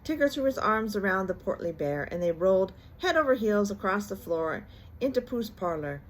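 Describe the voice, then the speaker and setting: A woman's voice: medium pitch, big pitch swings, moderate pace, poor audio. An older woman reading a children's bedtime story aloud as a storyteller.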